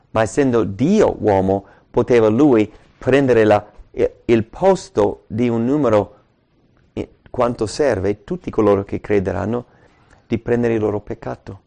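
A man's voice: fairly low pitch, gravelly, warm tone. Guy preaching a sermon, leans hard on words, keeps repeating himself and asking questions. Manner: emphatic, repeats key words, asks rhetorical questions.

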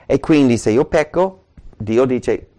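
A man's voice: medium pitch, animated, slow pace, dark tone. Emphatic male preacher. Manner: emphatic, repeats key words, asks rhetorical questions. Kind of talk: sermon.

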